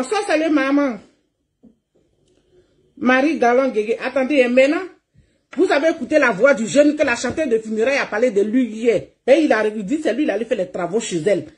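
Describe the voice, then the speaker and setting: A woman's voice: high voice, a little mellow. A woman streamer delivering a heated livestream rant, combative and mocking, laughing as she scolds. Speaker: online streamer.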